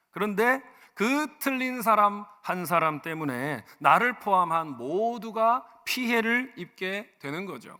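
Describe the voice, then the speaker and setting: A male senior pastor preaching a sermon, talking conversationally with personal stories and switching between soft asides and loud emphasis. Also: high voice. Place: church sanctuary. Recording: long church reverb.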